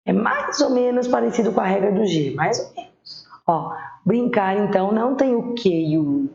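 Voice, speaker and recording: A woman with a Brazilian accent teaching primary school children spelling, patiently sounding out words slowly. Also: mid-range voice, vocal fry, darkish tone. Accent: Brazilian Portuguese. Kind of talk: online spelling lesson. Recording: echoey room, dull lo-fi sound.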